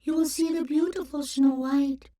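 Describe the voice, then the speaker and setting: A woman voicing an honest magic mirror, measured and courteous, in a children's storybook. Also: high voice, fairly even intonation, distant mic, noisy background, voice pushed up, close to an everyday voice. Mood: solemn candor. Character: honest magic mirror addressing the queen respectfully.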